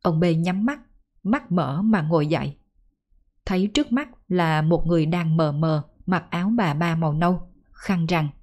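A woman storyteller narrating a folk ghost story in a measured, even way. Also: on the low side.

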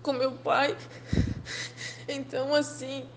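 A woman with a southern Brazilian accent rambles through a voice message, tearful but happy. Her voice sits fairly high. A faint hiss runs under the recording. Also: flat delivery, slow pace. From Santa Catarina, Brazil. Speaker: client sending a voice message. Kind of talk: WhatsApp voice message.

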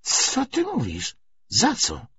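A man voicing an excitable, abrupt army officer in a wartime audiobook. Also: on the high side, slow, creaky, husky, no echo, dull audio, pitched above the performer's own voice, heavily acted. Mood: shocked.

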